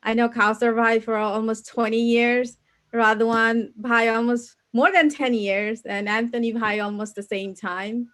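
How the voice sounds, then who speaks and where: A woman's voice: fairly high pitch, fairly even intonation, a little slow, fairly bright tone. A woman from Bangladesh, a council candidate and attorney, answering interview questions earnestly over a video call and listing names and groups one by one.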